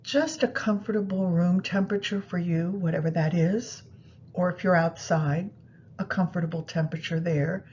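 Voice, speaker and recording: A woman guiding a meditation practice in a soothing, unhurried manner, pausing between phrases. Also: steady tone, darkish tone. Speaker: yoga nidra meditation guide. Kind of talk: guided meditation instruction. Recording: muffled, low rumbling background noise.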